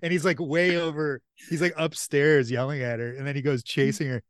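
A man's voice: a little high, fairly quick, smooth, dry recording, studio quality. A man hosting a podcast, chatting casually and eagerly, rambling through his points with enthusiasm. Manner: enthusiastic, rambling, animated retelling. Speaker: podcast host. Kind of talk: casual chat.

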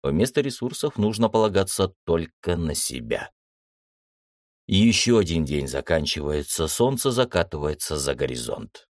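A man narrating a first-person fantasy audiobook in a steady, measured reading with tense inner monologue. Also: sits low, no echo, clean studio sound.

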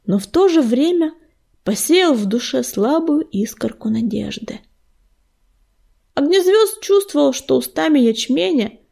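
A woman narrating a children's audiobook in an expressive storytelling manner. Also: high voice, vocal fry. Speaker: audiobook reader.

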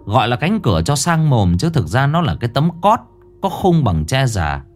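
A man reading a ghost story aloud in a dramatic, expressive way. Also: mid-range voice, moderate pace, faint music behind. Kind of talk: scripted horror story narration.

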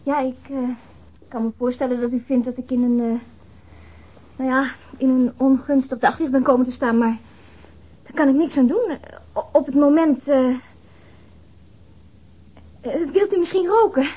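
A woman's voice: high voice, steady tone, moderate pace, long pauses, mellow, husky. An actress playing a casual, chatty, slightly uneasy young woman in a radio drama, informal and rambling. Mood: uneasy, defensive. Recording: dull, band-limited audio.

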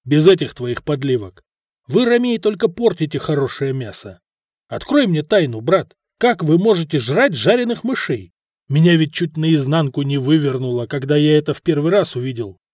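A man reading an audiobook, voicing a blunt, hungry Arab merchant who talks in a gruff, plain way. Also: fairly high pitch, animated, moderate pace, a little mellow, dry recording, clean studio sound.

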